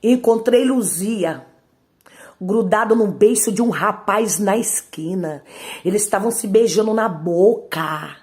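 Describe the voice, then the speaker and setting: A woman voicing her spiteful older sister, who tells tales to their mother in a hushed, gossipy voice. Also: medium pitch, slow, close to an everyday voice. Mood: tattling.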